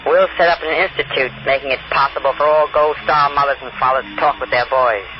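An actor playing a cold, menacing crime ringleader, clipped and commanding, in an old radio crime drama. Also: male voice, mid-range voice, fairly even intonation, fast, lo-fi sound, lightly acted. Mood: cool, menacing.

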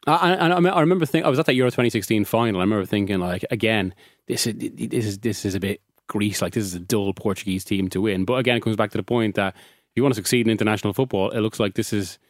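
A man's voice: fairly low pitch, fast, no echo, studio quality. A man with an Irish accent talking football as a regular on a podcast, chatty, often restarting and laughing. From Ireland. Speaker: football journalist. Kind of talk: casual podcast discussion.

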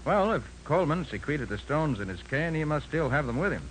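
An actor playing a brisk, confident private detective in a 1940s radio drama. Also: male voice, on the high side, sing-song. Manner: brisk, decisive. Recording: faintly noisy old radio recording.

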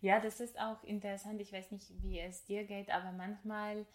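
A woman's voice: mid-range voice, little pitch movement, normal speed. A woman, co-hosting a casual podcast and reflecting while searching for words. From Ukraine. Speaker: podcast co-host. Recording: echoey room.

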